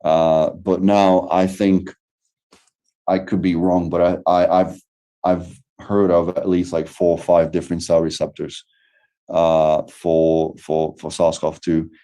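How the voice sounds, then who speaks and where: A man's voice: low voice, level tone, slow, warm tone. A man from Brazil with a Brazilian Portuguese accent, answering questions after an online lecture, hesitant with many fillers and restarts. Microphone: video call.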